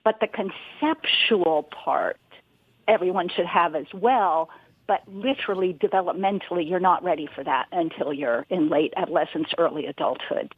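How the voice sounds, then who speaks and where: A woman's voice: lowish voice, moderate pace, husky. A woman who teaches adulting, explaining her views in a thoughtful way. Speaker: adulting instructor. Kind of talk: interview clip. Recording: tinny phone line.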